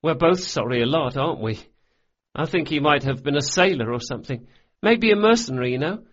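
A man voicing a young orphan boy who talks quickly and earnestly, stumbling over his words. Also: a little high, expressive, a bit bright, highs cut off, pitched above the performer's own voice.

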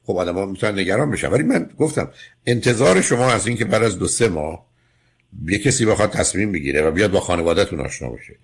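Radio advice host, male, very low and husky, firm and lecturing. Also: animated. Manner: firm, lecturing, interrupts with questions. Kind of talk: call-in advice counseling.

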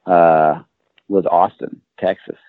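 An American comedian from Maryland, appearing as a guest, tells rambling, sweary, self-deprecating anecdotes in casual chat. His voice is low and steady, he takes it slowly, and the dry audio sounds narrow and tinny, like a phone line.

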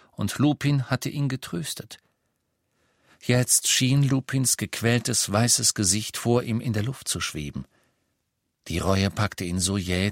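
A medium-pitched man reads an audiobook script, keeping his storytelling calm and even. The studio recording is clean, without any room sound.

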